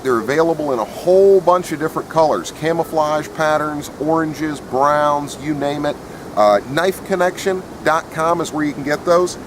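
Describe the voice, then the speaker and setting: A man giving a casual, unscripted product review in a plainspoken, opinionated way, recorded outdoors. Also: a little high. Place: outdoors in wind. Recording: windy outdoor recording with clear noise.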